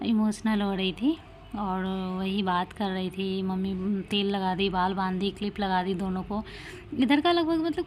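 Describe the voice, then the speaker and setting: A woman's voice: mid-range voice, darkish tone, slight background noise. A woman in her thirties, a mother chatting casually in a daily home vlog, rambling with lots of fillers. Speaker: vlogger, mother.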